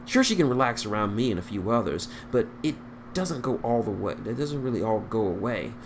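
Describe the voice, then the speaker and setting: A man's voice: fairly low pitch, animated, fairly quick. A man voicing a loyal, sincere elf warrior from fan fiction, on a noisy recording. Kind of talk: fan fiction character reading.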